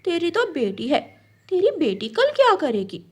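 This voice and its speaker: Woman voicing a taunting crow lady, high, mocking, lively. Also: normal speed. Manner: taunting, scornful. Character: mocking, boastful female crow, Gauri.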